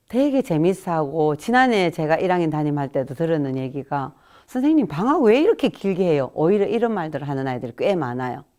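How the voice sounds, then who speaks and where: Low-voiced woman teacher. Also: darkish tone, clean tone. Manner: conversational, asks the listeners rhetorical questions. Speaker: elementary school first-grade teacher. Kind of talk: online lecture for parents.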